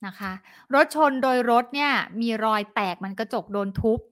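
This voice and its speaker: Woman, slightly high voice, casual gossip storytelling, dramatic, chatty. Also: normal speed, a bit bright. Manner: dramatic and chatty, acts out quotes.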